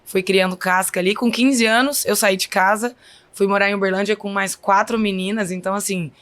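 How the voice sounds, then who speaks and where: Her voice is mid-range and a bit bright, with fairly even intonation and a brisk pace. She's a Brazilian volleyball player in her thirties with a Minas Gerais accent, chatting as a guest on a podcast and sprinkling her casual stories with "então, assim".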